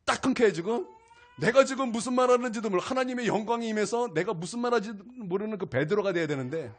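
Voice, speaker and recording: A male pastor preaching a weekday sermon, telling a personal story in an animated way. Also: high-pitched, fast talker. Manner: animated storytelling, acts out his own angry outburst. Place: small church service.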